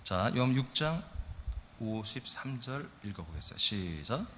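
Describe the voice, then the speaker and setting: A middle-aged male pastor preaching a lively sermon, often asking his congregation questions. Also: medium pitch, normal speed, slight background noise. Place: church sanctuary. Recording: church hall reverb.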